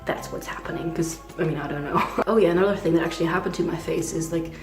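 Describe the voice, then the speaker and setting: A young trans man talking in a casual video diary, hesitant and full of fillers, with a fragile voice that sometimes skips between low and high. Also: fast talker, roomy sound, over music. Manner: hesitant, many "like" fillers, nervous laughs. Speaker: vlogger.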